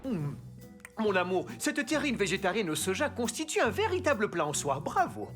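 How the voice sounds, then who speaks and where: Doting, wildly expressive cartoon dad. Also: male voice, sits high, normal speed, soft background music. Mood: gallant, amorous. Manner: florid, affectionate. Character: doting, gallant cartoon father, middle-aged husband. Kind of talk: animated cartoon dubbing.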